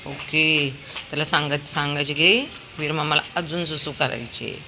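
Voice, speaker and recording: In a low voice with flat delivery and a moderate pace, a woman vlogging her dog walk chats casually outdoors on a sunny street. Background noise is present as she calls to a toddler and the dogs with coaxing sing-song.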